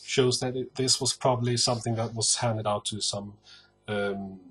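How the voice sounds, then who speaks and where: A man from northern Sweden with a Swedish accent, talking casually to camera about his record collection in an unhurried, hesitant way full of pauses. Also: fairly low pitch, fairly even intonation, fairly bright tone, a little hiss or hum.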